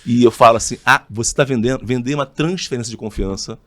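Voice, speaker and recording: A man's voice: medium pitch, quick pace, dry recording. A man telling a sales story as a podcast guest, acting out both sides of the conversation. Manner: animated, acts out both sides of dialogues. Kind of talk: casual storytelling in an interview.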